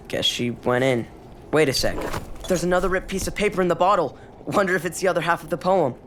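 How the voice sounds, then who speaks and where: A man's voice: mid-range voice, a little hiss or hum, lightly acted. An actor playing a stubborn teenage boy in an audio drama, earnest and protesting.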